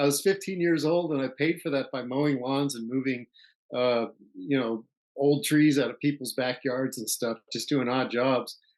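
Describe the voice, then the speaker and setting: A man with an American accent talks at medium pitch. His intonation is fairly even at a moderate pace. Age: 60s. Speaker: submarine pilot. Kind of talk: interview. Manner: halting.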